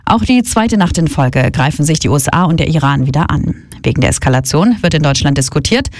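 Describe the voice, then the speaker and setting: A woman reads the morning news bulletin with a measured, crisp delivery. Her pitch moves a lot, and the sound is close and dry. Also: animated, no echo. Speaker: newsreader.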